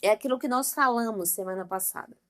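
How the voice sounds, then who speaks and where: A young woman with a slightly high voice delivers an informal Christian devotional talk. She speaks emphatically and stays personal, often turning straight to her listeners with affectionate asides. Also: fast. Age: young adult. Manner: emphatic, talks straight to the listener as "meu amor" and "gente".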